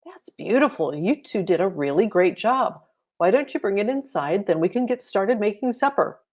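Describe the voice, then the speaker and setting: Woman playing upbeat mom, kindly, encouraging, expressive pitch, children's storybook character. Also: normal speed, close to an everyday voice. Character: kindly, upbeat mother of a schoolgirl.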